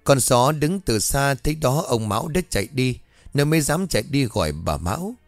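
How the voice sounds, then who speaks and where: A man telling a ghost story in a measured, dramatic way. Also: mid-range voice, big pitch swings, no room sound. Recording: dry close voice with faint background music.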